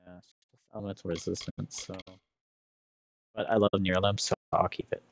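A man's voice: low voice, level tone, moderate pace, gravelly, slight background noise, poor audio. A man giving casual, rambling and slangy gameplay commentary as a let's play host. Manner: laid-back, rambling, slangy. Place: small room indoors with purple lighting. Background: video game music.

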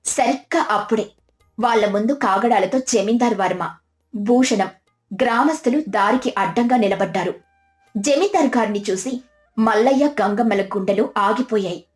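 A woman's voice: a little high, normal speed, darkish tone. A woman reading a scripted moral story as the narrator. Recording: background music under the voice.

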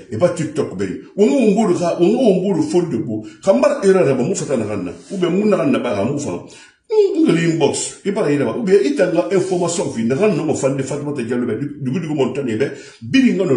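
An impassioned man delivers a monologue to media communicators, swinging his pitch widely as he drives home each point. His voice is mellow and dark, and it rings in an echoey room. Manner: emphatic, repetitive, mixing French and a local language. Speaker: commentator addressing communicators.

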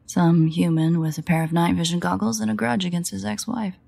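A woman's voice: fairly low pitch, flat delivery, a little fast, gravelly, mellow. A woman acting a sardonic, protective, foul-mouthed vampire in an intimate audio roleplay, grumbling sarcastically with hesitant asides. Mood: wry, exasperated.

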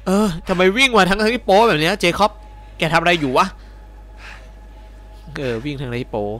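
A male game streamer doing casual let's-play commentary, excitable and swearing as he reacts. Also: high-pitched, moderate pace, faint music behind.

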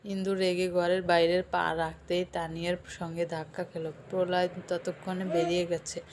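Lowish woman narrating a love story. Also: flat delivery, moderate pace, a little mellow. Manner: voices every character herself, rising to shrill cries for quarrels. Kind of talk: scripted narration of a romantic story. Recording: audible background noise.

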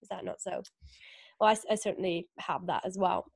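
A guest author from northern Italy speaks thoughtfully in a conversational video-call interview, using many fillers and rhetorical questions. Her voice is on the low side and creaky, fairly even in intonation, and brisk. Recorded on a webcam in a small indoor room, it sounds clean and studio-like with no echo.

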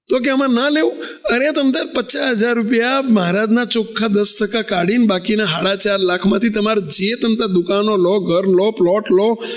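A man, a monk, preaching a sermon to a congregation, asking the crowd rhetorical questions and telling stories with lively animation. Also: sits high.

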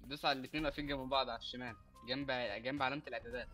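A man's voice: medium pitch, steady tone, rapid-fire, pushed and bright, faint music behind. A man with an Egyptian Arabic accent, a friend giving brief instructions to a player during a game. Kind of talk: casual gaming chat.

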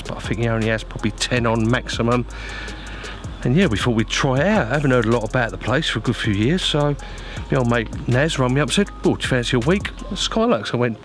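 A man's voice: mid-range voice, fairly bright tone. A man chatting casually to viewers as an angler presenting a vlog, informal and matey, giving practical advice.

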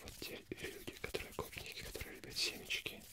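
A young man playing a sly, playful Cheshire Cat in a whispered role-play, murmuring repetitively in a breathy, barely audible whisper close to the mic. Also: brisk, natural voice. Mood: playfully ominous. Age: young adult. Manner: repetitive, hushed, half-intelligible murmuring. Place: small foam-padded indoor studio. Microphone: close ASMR microphone.

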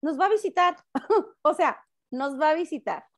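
Woman, Mexican accent, middle-aged, high voice, loud, casual chat, restarts often. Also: lively intonation, moderate pace. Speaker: guest mother on a radio talk show.

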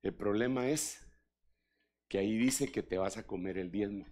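An older man preaching a sermon in an animated style, with joking asides to the congregation. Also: on the low side, moderate pace. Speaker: apostle preaching.

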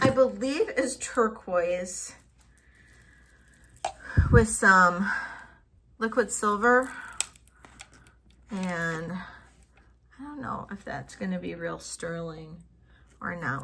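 A middle-aged woman casually showing off vintage jewelry finds, thinking aloud and trailing into soft mutters as she tests stones. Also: mid-range voice, sing-song, slow, long pauses, noisy background. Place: home office at a table.

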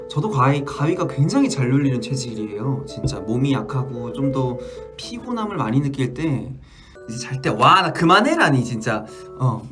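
Brief: man, 20s, livestream host, animated and easily spooked, reads with little restarts. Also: mid-range voice. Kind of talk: casual livestream chat reading fan stories.

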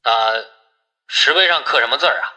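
A man's voice: a little high, a little fast, sharp tone, low-quality recording. A man voicing a grumbling, superstitious village man in an audiobook, exclaiming and reluctant, through a telephone effect. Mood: doubtful.

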